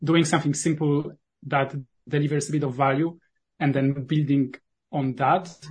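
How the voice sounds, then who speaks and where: Somewhat breathy and fairly high-pitched, a man speaks with a Polish accent. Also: quiet background. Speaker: founder and developer of VR sailing app. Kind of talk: casual interview conversation. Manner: hesitant, many filler words.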